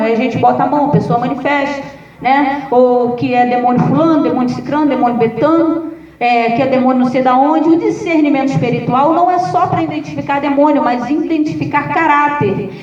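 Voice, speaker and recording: A Brazilian woman pastor delivers a sermon in a high voice, telling stories with humor. She sounds distant in an echoey room, and the recording is dull and muffled. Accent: Brazilian Portuguese. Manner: lively, humorous storytelling with acted quotes.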